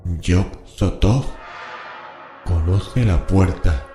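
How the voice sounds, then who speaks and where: Guy playing a horrified old-book scholar, low and slow, reading cursed scripture, super ominous radio horror. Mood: solemn, ominous. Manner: slow, solemn, ominous incantatory delivery. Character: grave, horrified scholar reading forbidden occult scripture aloud. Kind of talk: horror radio drama acting. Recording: reverberant voice with music bed.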